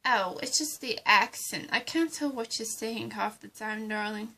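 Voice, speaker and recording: A woman voicing a scheming female supervillain in a fan roleplay, talking slowly and condescendingly and dropping into menacing whispers. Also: fairly high pitch, sharp tone, exaggerated voice, low-quality recording. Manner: slow, condescending, drops into menacing whispers, calls everyone darling.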